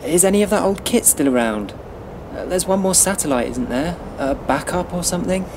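A woman's voice: on the low side, lively intonation, a little fast. A woman playing a weary, sarcastic young Arctic researcher in an audio drama, dry and grumbling. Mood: sardonic. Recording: noisy stormy outdoor ambience.

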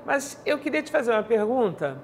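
A woman's voice: on the high side, big pitch swings, fairly quick. Casting: middle-aged Brazilian woman, conversational interviewer, seated studio setting, slight noise behind. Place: quiet indoor studio, seated.

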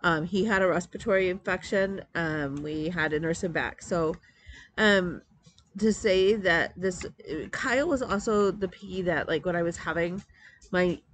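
Speaking at a normal speed, this woman in her forties has a lowish, nasal, stuffed-up voice and wanders through her talk with frequent ums and false starts. She's a Metro Detroit crafting vlogger addressing the webcam on her desk from her home craft room. There's slight background noise.

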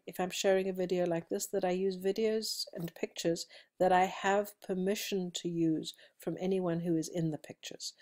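A woman's voice: fairly low pitch, darkish tone. A middle-aged woman with a South African accent, introducing herself to her class in a conversational screencast, with frequent ums and restarts. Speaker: college instructor. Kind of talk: friendly self-introduction screencast. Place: indoors at a computer, seated. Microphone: webcam recording.

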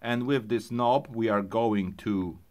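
A man whose first language isn't English presents an unscripted, hands-on tutorial on music gear. His fairly low, darkish voice comes out haltingly as he thinks aloud.

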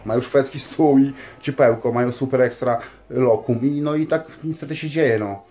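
A man's voice: mid-range voice, normal speed, dark tone. A man speaking earnestly in a casual spiritual monologue, rambling with many fillers and tag questions and calling his listeners dear ones. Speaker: religious vlogger.

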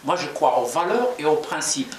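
A man's voice: fairly high pitch, big pitch swings, normal speed, slight background noise. A man in his forties, a Kabyle-born novelist, giving thoughtful, hesitant interview answers in a small office. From Algeria, Kabylie. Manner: reflective, gestures while talking, many hesitations. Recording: echoey room from far off, crowd murmur.

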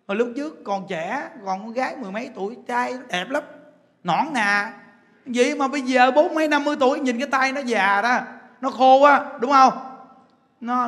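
A man's voice: very high voice, moderate pace, a bit bright. A man with a Southern Vietnamese accent giving a chatty, laughing sermon as a Buddhist teacher, often asking his listeners if they understand. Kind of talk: lively sermon to a congregation. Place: large temple hall. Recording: long hall reverb.

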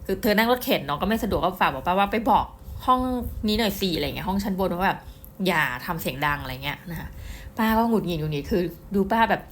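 A woman's voice: medium pitch, a little hiss or hum. Chatty middle-aged woman reviewing books. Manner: chatty, addresses viewers directly, excitable storytelling. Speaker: book reviewer. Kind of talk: casual book review.

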